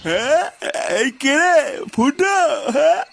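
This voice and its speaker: High-pitched drunken blustering father. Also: expressive, takes it slowly, gravelly, a bit bright, full character voice. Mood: drunk, abusive. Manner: drunken slurred ranting. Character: foul-mouthed drunk father, loud boastful blustering husband. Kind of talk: comedy cartoon voice acting. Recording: music behind the voice.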